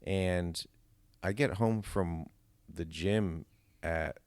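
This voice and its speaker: Casting: male actor as podcast guest, deep voice, self-mocking banter, dry recording. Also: drawn-out words, a little mellow, no echo. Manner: self-deprecating, joking. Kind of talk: casual chat.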